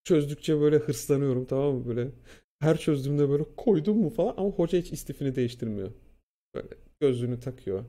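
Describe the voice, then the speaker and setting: A young man casually telling a school story, animated and profane, acting out what people said. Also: mid-range voice, quick pace. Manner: animated, profane, acts out quotes. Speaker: streamer.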